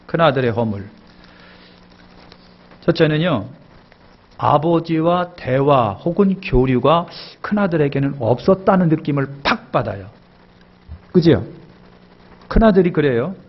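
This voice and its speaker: Husky guy preaching, fairly high voice, punchy and repetitive, dull lo-fi audio. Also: animated, moderate pace. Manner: emphatic, repetitive, questions the congregation. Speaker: pastor. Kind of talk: sermon.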